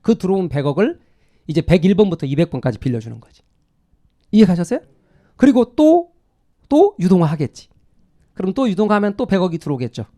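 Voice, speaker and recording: A man's voice: high-pitched, sing-song, brisk, long pauses, warm tone. A middle-aged man giving an explanatory classroom lecture, conversational, repeating key terms and asking rhetorical questions that he answers himself. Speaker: lecturer in real estate exam course.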